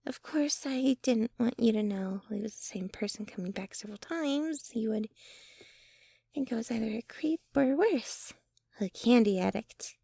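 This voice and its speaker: A woman playing a sweet, shy, obsessively devoted young girlfriend in an ASMR roleplay, speaking softly and bashfully, often close to a whisper. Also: fairly high pitch, dry recording. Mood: playful, teasing. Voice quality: soft, breathy, often near whisper. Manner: bashful, giggly, halting, gushing. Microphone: close microphone, dry sound.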